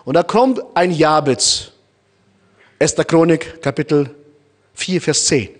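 A man's voice: on the high side, slow pace. A man born in Kazakhstan preaching a sermon in German with a noticeable foreign accent, addressing the congregation directly and acting out little scenes. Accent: Kazakh-born, speaking German with a noticeable foreign accent.

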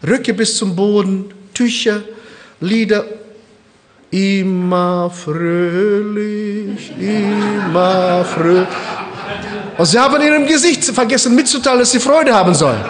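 A man's voice: high-pitched, slow pace, crowd noise. A man born in Kazakhstan preaching a sermon in German with a noticeable foreign accent, addressing the congregation directly and acting out little scenes. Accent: Kazakh-born, speaking German with a noticeable foreign accent.

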